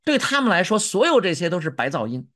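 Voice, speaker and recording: A pastor preaching a sermon, telling a story with animated delivery and acting out shouted cries. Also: medium pitch, fast talker.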